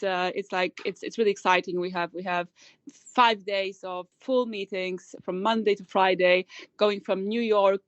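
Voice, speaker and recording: A woman's voice: mid-range voice, no echo. A woman company founder answering interview questions in a rush, with many repeated words and restarts. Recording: dry, dull lo-fi call audio.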